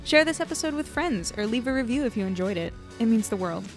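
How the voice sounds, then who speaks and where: A woman podcast host reads scripted closing credits. Her voice is a bit higher than average, and music plays clearly behind it. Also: expressive, quick pace. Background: theme music.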